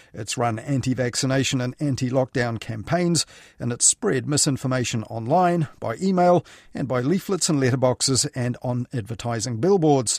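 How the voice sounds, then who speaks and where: In a very clean recording with a silent background, a man with a New Zealand accent speaks at a medium pitch and a moderate pace with ordinary pitch variation. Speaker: media commentary show presenter. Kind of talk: scripted narration.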